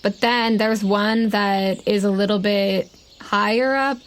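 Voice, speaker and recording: A woman's voice: medium pitch, fairly even intonation, takes it slowly. A woman running a tabletop game as game master, improvising scene descriptions in pieced-together phrases.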